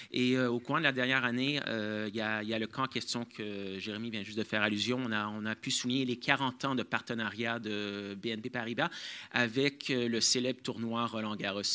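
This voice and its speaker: A man's medium-pitched voice, bright and sharp in tone, at a fairly quick pace with fairly even intonation, over a quiet background. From Quebec, Montreal. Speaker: agency strategy director. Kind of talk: conference presentation. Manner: halting, many fillers.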